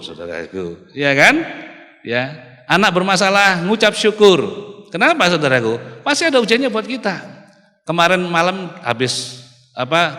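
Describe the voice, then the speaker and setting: A male pastor preaching an animated sermon, often calling out to the congregation. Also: medium pitch. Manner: animated preaching, keeps calling the audience "saudaraku". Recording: reverberant hall.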